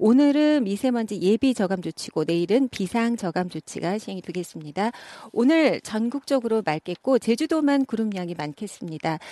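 A woman with a fairly high pitch and a dark, mellow tone moves through very wide pitch swings at a moderate pace, in a dry, close sound with no echo. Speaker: weather forecaster. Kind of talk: weather report. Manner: formal.

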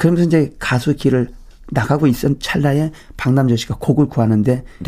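A man speaks at a fairly quick pace in a fairly high, somewhat breathy voice. His tone is dark and mellow, with ordinary pitch variation. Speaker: songwriter and singing instructor. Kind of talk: radio interview. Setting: studio.

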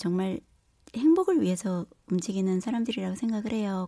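A woman talks at medium pitch with a somewhat breathy quality and lively intonation. Her moderate pace comes through in a dry, close sound with no echo. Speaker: pastry chef. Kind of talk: interview. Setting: studio.

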